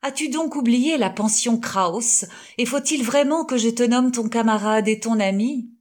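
A woman reading the lines of a warm, jovial middle-aged male doctor in an audiobook, cordial and effusive. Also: on the high side, normal speed, pitched above the performer's own voice, lightly acted. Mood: hearty.

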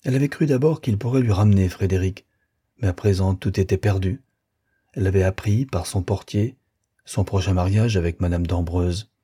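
A man narrates a classic novel in a measured, steady audiobook style. His voice is low and dark, with a markedly husky, breathy grain. The delivery stays even and composed throughout. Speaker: audiobook reader.

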